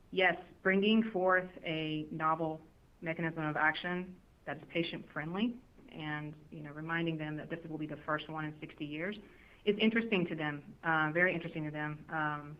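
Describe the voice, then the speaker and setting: A female executive gives an emphatic, unscripted business answer over a slightly muffled conference line. She repeats phrases as she builds each point. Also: low-pitched. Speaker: company executive. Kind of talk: earnings call answer, unscripted. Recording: dull conference phone line.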